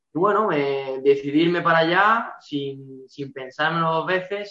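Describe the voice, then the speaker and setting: A man speaks with a bright, sharp tone. His pitch varies in an ordinary way. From Spain, Granada (Andalusia). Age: 20s. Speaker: professional footballer. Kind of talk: interview.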